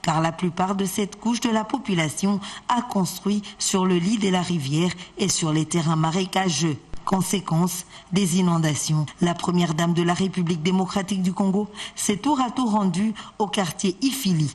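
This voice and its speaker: A woman reading a formal news report as a voice-over, steady and even. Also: lowish voice, normal speed, hardly any pauses, slightly rough.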